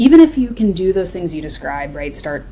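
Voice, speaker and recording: Noticeable background noise accompanies a woman speaking in an American accent. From US South, Kentucky. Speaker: philosophy professor. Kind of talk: podcast interview. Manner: frequent fillers and hedges.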